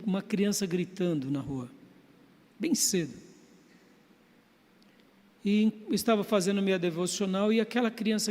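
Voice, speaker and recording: A man preaching a sermon, telling a story and moving between loud emphasis and hushed asides. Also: high-pitched. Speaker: pastor. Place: church sanctuary. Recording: long church-hall reverb.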